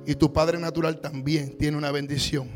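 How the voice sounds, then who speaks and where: A man preaching a sermon, calling on the congregation to repeat after him and rising to shouts. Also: fairly high pitch, flat delivery, normal speed, soft background music. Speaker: pastor.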